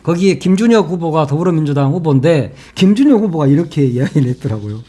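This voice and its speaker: Man, solo commentary host, mocking, sarcastic, very animated pitch. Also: quick pace. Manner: mocking, sarcastic, laughs at his own jokes. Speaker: political commentary channel host. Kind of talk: casual solo political commentary.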